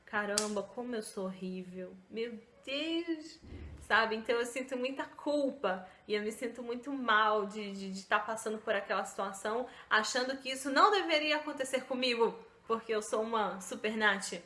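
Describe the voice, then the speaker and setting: A woman's voice: a little high, a little fast, hardly any pauses, pushed and bright, reverberant. A woman vlogger giving casual self-help talk to the camera, chatty, with many fillers and tag questions.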